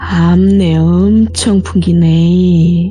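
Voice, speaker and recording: Over light background noise, a put-on character voice drawls in a monotone, flat intonation. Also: woman, very deep, low pitch for a woman. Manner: slow, drawling.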